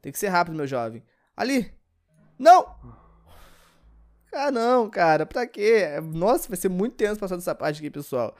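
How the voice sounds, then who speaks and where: A sleepy, worn-out man with a Brazilian Portuguese accent, giving let's-play commentary and yelping excitedly at the game. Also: sits high, moderate pace, long pauses. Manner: excitable, yelps and shouts at the game. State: sleepy and exhausted. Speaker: gaming YouTuber.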